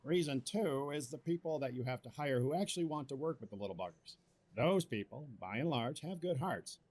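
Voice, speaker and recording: A man's voice: fairly high pitch, expressive, fairly quick, darkish tone, slightly rough. An actor playing a smug, contemptuous man delivering a condescending audio drama monologue. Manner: condescending, speechifying.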